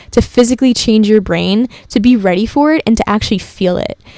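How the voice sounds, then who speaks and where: Very fast and animated, a woman with an American accent speaks at a medium pitch with ordinary pitch variation, in a dry, close sound with no echo. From New York. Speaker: podcast host, yoga teacher. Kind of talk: solo podcast monologue. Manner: casual, conversational.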